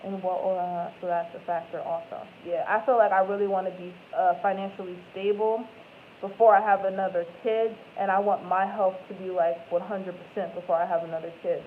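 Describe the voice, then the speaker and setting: A woman's voice: medium pitch, flat delivery, a little fast. A woman in her twenties chatting casually with viewers as host of a live stream, rambling and correcting herself as she goes. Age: 20s. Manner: rambling, self-correcting, lots of "like" and "um". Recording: tinny phone-like audio with faint noise.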